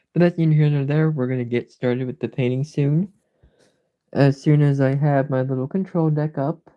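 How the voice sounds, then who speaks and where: A woman speaks at a fairly quick pace in a very deep, low pitch. Her tone is dark and mellow, with fairly even intonation. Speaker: streamer. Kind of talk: casual live-stream chat. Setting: live stream. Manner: casual, chatty.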